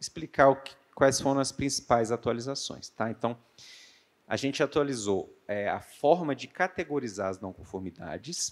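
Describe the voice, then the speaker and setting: Using an ordinary speaking voice, a man talks at a moderate pace with fairly high pitch and lively intonation. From Minas Gerais, Brazil. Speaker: government health inspection manager. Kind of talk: conference presentation. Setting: conference panel with audience.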